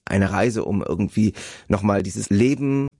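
A male radio host with a very low, slightly husky voice. He speaks calmly and articulately. The studio sound is dry and close. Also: measured pace, dry recording. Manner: calm, articulate, scripted intros. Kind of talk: radio interview and presentation. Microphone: studio microphone.

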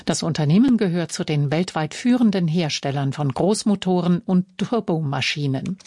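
A female newsreader with a lowish, mellow voice. She reads in a measured, formal tone. The studio sound is dry and close. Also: no room sound. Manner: measured, even, formal delivery. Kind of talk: radio news reading. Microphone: studio microphone.

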